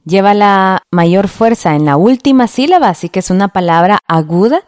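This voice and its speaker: A woman teaching a radio lesson in a clear, patient way, checking in with the listener. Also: medium pitch, animated, normal speed, a little mellow, dry recording, clean studio sound. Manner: clear, patient, asks ¿verdad?.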